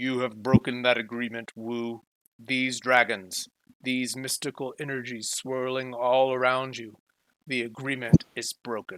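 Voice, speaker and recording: Putting on a character voice, a man booms at a medium pitch and a moderate pace with monotone, flat intonation. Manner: commanding, accusing.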